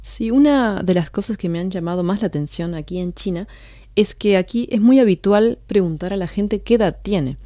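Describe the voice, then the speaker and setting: Woman co-host, engaged and conversational, warm lowish tone, dry studio mic. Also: moderate pace, dry recording. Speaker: co-host, learner. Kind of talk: language lesson, repeating words and chatting.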